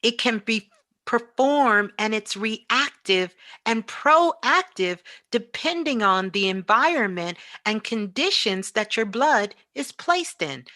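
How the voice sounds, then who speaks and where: A woman's voice: on the high side, animated, slow, pushed and bright, dry recording. A woman giving a spiritual motivational talk as a teacher, speaking emphatically and repeating phrases for effect.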